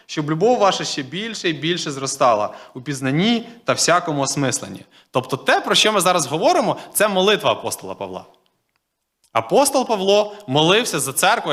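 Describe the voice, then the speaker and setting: Lively, bright-voiced male preacher. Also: on the high side. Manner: conversational preaching, reads scripture aloud, frequent "так?". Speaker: pastor. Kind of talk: sermon.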